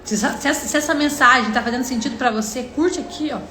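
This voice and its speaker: Fast, high and forceful with a bright tone, this Brazilian woman speaks Brazilian Portuguese-accented words to her live-stream audience in an earnest devotional. Addressing viewers head-on, she recounts in dialogue what God told her, against faint music in an echoey room.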